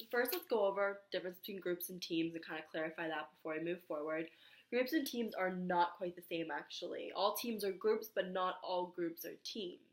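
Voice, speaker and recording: Congested woman presenting slides, a bit raspy. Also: on the low side. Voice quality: slightly raspy. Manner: reads from slides with frequent ums and restarts. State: nasal congestion, under the weather. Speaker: student presenter. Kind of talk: recorded class slide presentation.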